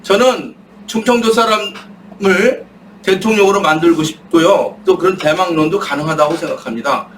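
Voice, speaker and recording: Emphatic high-voiced man speaking from a distance. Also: moderate pace, a little hiss or hum. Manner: rhetorical, asks and answers his own questions; emphatic, rising to shouts when worked up. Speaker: guest speaker. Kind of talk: impassioned political talk. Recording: distant mic with faint room ambience.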